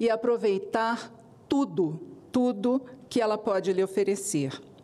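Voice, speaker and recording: Noticeable background noise sits behind a woman speaking with a Brazilian accent. Her fairly high voice has ordinary pitch variation. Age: 60s. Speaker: educational psychologist and family constellation therapist. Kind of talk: formal speech at a special session. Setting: senate session hall. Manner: halting, with filler hesitations.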